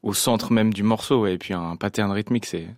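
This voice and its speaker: A man's voice: lowish voice, brisk, no echo, studio quality. A French-born man, a jazz musician, answering interview questions thoughtfully with many hesitations. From France.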